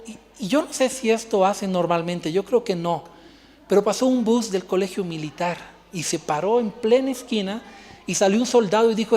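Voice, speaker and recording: Pastor preaching in a hall. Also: male voice, sits high. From Bolivia. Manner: animated storytelling, acting out dialogue. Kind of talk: sermon.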